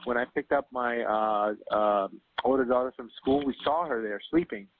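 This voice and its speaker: Male emergency caller, tinny telephone sound, clear line noise, halting, flustered, repetitive phrasing. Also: mid-range voice. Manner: halting, flustered, repeats himself. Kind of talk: emergency phone call. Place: restaurant, over the phone. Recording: noisy, tinny phone line recording.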